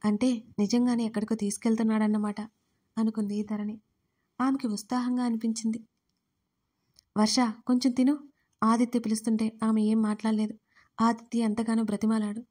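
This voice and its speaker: Mellow-voiced woman narrating a story. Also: fairly high pitch. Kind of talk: scripted audio-story narration.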